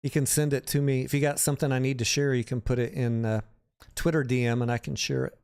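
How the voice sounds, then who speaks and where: A man's voice: mid-range voice, little pitch movement, fast, creaky, a little mellow, clear, resonant tone. A man hosting a livestream, talking casually about the stock market and answering viewers by name in a conversational way.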